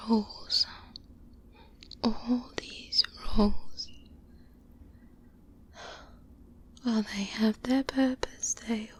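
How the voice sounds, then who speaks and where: A woman playing a seasoned, guarded vampire hunter mentor in an ASMR roleplay, speaking in a breathy whisper with measured, deliberate pauses, close to a binaural mic. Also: on the high side, fairly even intonation, a bit bright. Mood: secretive, wry. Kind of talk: soft-spoken ASMR roleplay monologue. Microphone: close-up binaural microphone.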